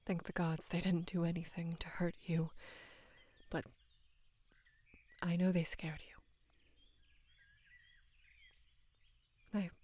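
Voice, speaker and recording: A young woman in her twenties voices a devoted female knight in love with her queen for intimate roleplay audio. Her soft, breathy voice sits on the low side with a flat delivery, sounding tender and remorseful as she speaks in a hesitant, halting, deferential and earnest way.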